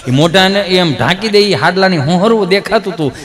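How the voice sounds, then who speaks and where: A man telling folk comedy stories on stage, acting out the dialogue with sudden jumps in voice. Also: fairly quick. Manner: animated storyteller, acts out dialogue with sudden pitch jumps. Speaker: stand-up comedian. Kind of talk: Gujarati folk comedy storytelling. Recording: stage mic with long hall reverb.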